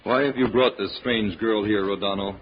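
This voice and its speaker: A captive doctor pleads gravely in a lowish, very raspy voice. The delivery is earnest radio-serial acting on a muffled old recording. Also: male voice, steady tone, normal speed. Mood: grave, steady.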